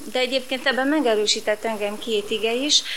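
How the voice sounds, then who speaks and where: Speech unfolds at a moderate speed. Background noise is clearly noticeable throughout. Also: woman. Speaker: churchgoer giving testimony. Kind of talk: testimony.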